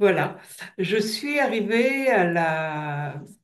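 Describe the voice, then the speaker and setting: Mid-pitched female speech carrying audible room echo. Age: 70s. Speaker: retiree, program participant. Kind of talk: testimony. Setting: video call.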